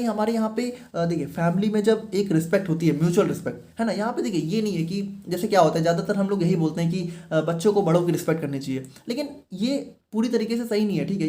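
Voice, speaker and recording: A man's voice: high voice, mellow. A man giving an explanatory online lecture as a pharmacy teacher, speaking between stretches of Hindi and checking in often with short fillers. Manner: mixes Hindi and read-out English, many fillers like "thik hai".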